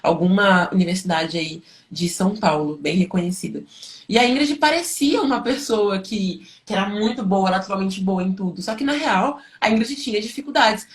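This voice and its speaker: Female Brazilian online tutor, mid-pitched, informal and didactic, posing questions and answering them herself. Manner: conversational and didactic, asks and answers own questions, frequent check-in tags. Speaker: teacher and study coach hosting a livestream. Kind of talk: informal live lesson, explaining to students.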